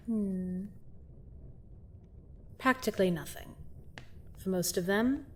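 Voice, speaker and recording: A woman playing a vengeful, imperious vampire queen in a fantasy audio drama, speaking deliberately and with menace, often dropping into hushed, breathy asides. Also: mid-range voice, slight background noise. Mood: coolly taunting. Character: vengeful vampire queen, imperious conqueror gloating over a captive prince.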